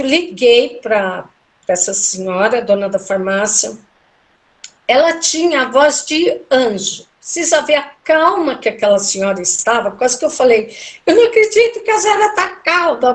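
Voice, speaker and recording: A woman, a guest in an interview, telling a personal story animatedly and acting out the dialogue. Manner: animated, acts out quoted dialogue with big pitch jumps. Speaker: interview guest, tarot reader.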